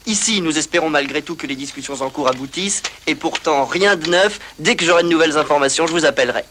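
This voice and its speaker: A man's voice: on the high side, fast talker, noisy background, lightly acted. A man playing an earnest news reporter delivering an on-location report in a film. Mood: grave, earnest.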